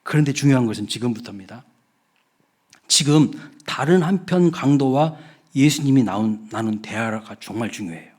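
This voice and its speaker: A man's voice: medium pitch, lively intonation, moderate pace, husky. A middle-aged male pastor preaching a sermon with emphatic, rising delivery. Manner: emphatic preaching, rising loud when acting out the thief.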